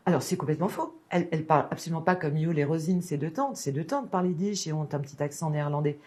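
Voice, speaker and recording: A woman's voice: sits low, rapid-fire, darkish tone. A woman author being interviewed about her biography, speaking emphatically and enthusiastically, with many restarts and fillers. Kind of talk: passionate interview answers.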